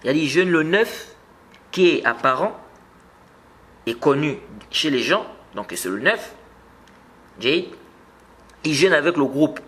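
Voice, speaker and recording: A man's voice: a little high, animated, takes it slowly, pauses often, fairly bright tone. Man teaching. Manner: explanatory, repeats words and restarts, rises when emphasizing. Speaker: Islamic teacher. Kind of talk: religious lesson.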